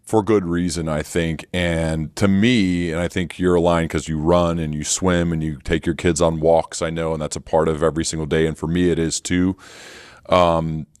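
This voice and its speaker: Deep voiced guy hosting a podcast, dry studio sound, casual but emphatic. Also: little pitch movement, moderate pace, darkish tone, clean tone, dry recording. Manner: emphatic, repeats key phrases. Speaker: podcast host. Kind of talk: conversational interviewing.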